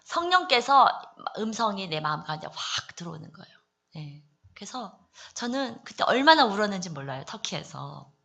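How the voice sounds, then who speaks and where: Bright-voiced woman sharing an earnest testimony. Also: mid-range voice, very animated, normal speed, vocal fry. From Daegu, South Korea. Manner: earnest, confiding, with frequent fillers and soft trailing phrases. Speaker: church member giving testimony. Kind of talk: testimony at a prayer meeting.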